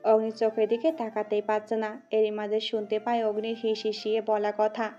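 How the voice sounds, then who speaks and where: A woman narrating a dramatic audio story with steady, scripted storytelling. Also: medium pitch, normal speed. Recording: muffled audio with background music.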